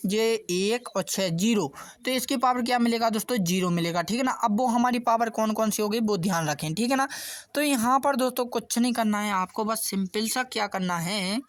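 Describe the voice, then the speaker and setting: In a dry recording, a man with a high voice talks a little fast as he explains exam-prep math. His manner is steady and patient; he covers every step and keeps checking in by raising questions and supplying the answers himself.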